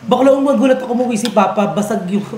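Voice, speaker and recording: A woman co-hosting a casual podcast, chatty and quick to react with slang and short replies. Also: on the high side, a little mellow. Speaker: podcast co-host. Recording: roomy echo, faint background noise.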